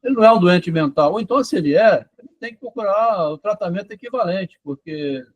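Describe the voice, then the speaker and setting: A man with a high, lively voice talks fast and casually, rambling and checking in with "tá?" and "né?" along the way. He is an author discussing his doctoral thesis in a relaxed conversation about psychoanalysis and literature. The recording is dry and rough.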